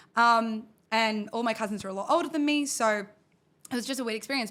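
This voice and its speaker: Loud and at a fairly quick pace, a woman with an Australian accent talks at a fairly high pitch in a bright, sharp tone with ordinary pitch variation. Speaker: content creator. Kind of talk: casual interview chat. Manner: animated.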